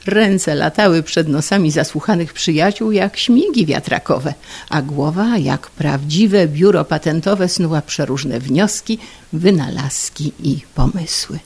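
A woman narrating an old humorous story in a lively, playful storytelling manner. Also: sits low, a little slow, slightly rough.

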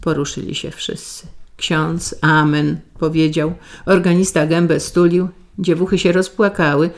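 A woman tells an old folk tale at an unhurried, measured pace. Her voice sits fairly low and has a gravelly texture. Her phrasing is old-fashioned storytelling. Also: level tone. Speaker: narrator.

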